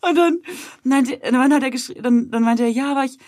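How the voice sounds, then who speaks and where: A woman in her thirties co-hosting a podcast, telling a story in a lively way, acting out what people said and laughing loudly and often. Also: sits high, a little fast, dry recording, studio quality. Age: 30s. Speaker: podcast co-host. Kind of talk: casual chat, storytelling.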